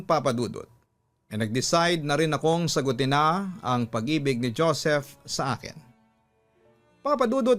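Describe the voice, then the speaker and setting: A man with a Filipino accent, a host narrating love stories and giving advice in a dramatic storytelling style. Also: fairly high pitch. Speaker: radio-style host reading listener letters and giving advice. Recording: music bed behind the voice. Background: instrumental music.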